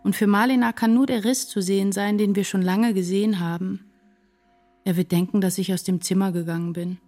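An actress playing an anguished woman writer narrating her despair in a deliberate, intense literary radio drama monologue. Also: medium pitch, fairly even intonation, mellow, faint music behind, natural voice. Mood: desperate, resolute. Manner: deliberate, intense, incantatory short phrases.

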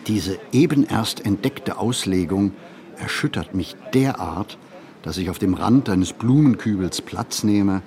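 A man reads a reflective literary monologue for a radio play, phrasing deliberately and expressively with pauses. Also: lowish voice, expressive, darkish tone.

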